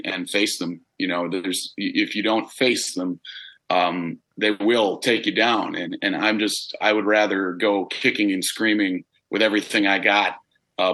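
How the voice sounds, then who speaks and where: A rock singer answering interview questions in a relaxed, rambling way, with a big-sounding voice and plenty of fillers. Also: male voice, lowish voice, rough recording.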